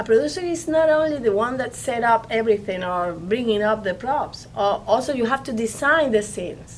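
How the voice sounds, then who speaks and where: Speaking at a moderate pace with hardly any pauses, a woman with a Spanish accent uses lively intonation at a fairly high pitch. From Venezuela. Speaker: film producer. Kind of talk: interview. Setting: studio. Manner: halting, many repetitions.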